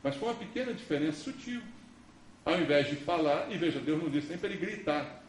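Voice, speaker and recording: Brazilian pastor, sermon, lively swooping delivery, higher-pitched man, heard from afar in an echoey church with faint hiss. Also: fast. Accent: Brazilian Portuguese. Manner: animated preaching with rhetorical questions. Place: church sanctuary. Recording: echoey church recording from a distance.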